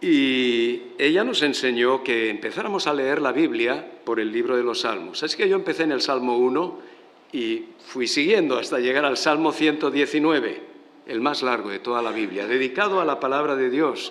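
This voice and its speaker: A man with a fairly high pitch talks in a space with audible room echo. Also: ordinary pitch variation, moderate pace. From Málaga, southern Spain. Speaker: preacher. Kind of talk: sermon. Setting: church.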